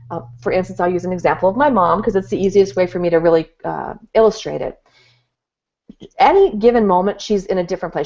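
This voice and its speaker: A woman relationship coach giving a gentle, earnest teaching talk with examples. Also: medium pitch. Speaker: guest expert, relationship coach. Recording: dull lo-fi audio.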